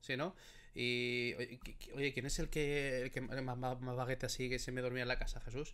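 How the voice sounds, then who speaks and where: A man's bright, sharp voice at a moderate pace, with monotone, flat intonation. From Spain. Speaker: gaming YouTuber interviewer; interviewer host. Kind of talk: interview.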